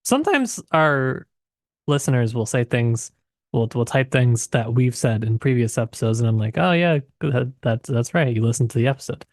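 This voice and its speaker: A man's voice: medium pitch, animated, moderate pace, a little mellow, no room sound, studio quality. A man co-hosting a casual literary discussion, conversational and tentative as he thinks aloud. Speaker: podcast co-host.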